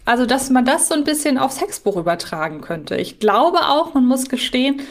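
A woman's voice: sits high, sing-song, normal speed. Woman chatting casually as podcast co-host. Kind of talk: casual fan discussion.

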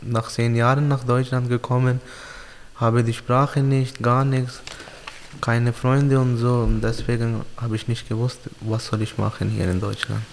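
Speaking halting, basic German as a learner, this young Pakistani man whose first language is Urdu pauses often while answering interview questions. His medium-pitched voice is gravelly and level, heard in a big-room sound with a little hiss or hum.

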